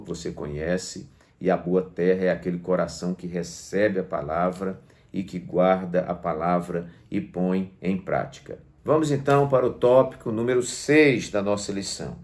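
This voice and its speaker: Male pastor, lowish voice, didactic Bible teacher stressing key words for online students. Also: a little mellow. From Brazil. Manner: didactic, emphatic on key words, often seeks agreement with tag questions. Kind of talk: Bible lesson to online viewers.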